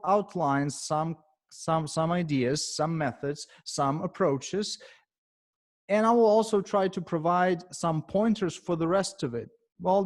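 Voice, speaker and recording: A man with a Ukrainian accent presents to a professional group. His voice sits a little high for a man, and he speaks in a measured way, pausing often and filling gaps with "uh" and "um". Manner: measured, with frequent pauses and filler sounds. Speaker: conference speaker and author.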